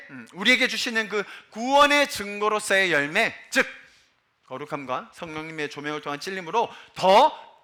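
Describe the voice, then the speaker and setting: A man preaching a sermon in a church, animated, jumping between loud declarations and hushed asides, often quizzing his congregation. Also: high voice. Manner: addresses the congregation directly and quizzes them. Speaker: pastor. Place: church sanctuary.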